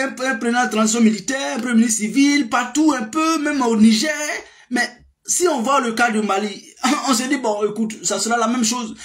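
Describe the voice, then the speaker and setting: Animated man in his thirties. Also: high voice. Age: 30s. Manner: animated, many fillers, rises to emphatic outbursts. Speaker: political commentator. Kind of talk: casual monologue.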